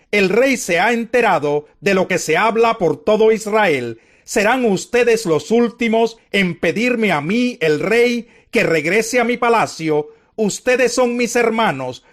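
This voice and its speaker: A sorrowful aging king crying out for his son, read by a man with a high voice. The lament is drawn out and slow, heard in an audio Bible story. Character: grieving aging king and father.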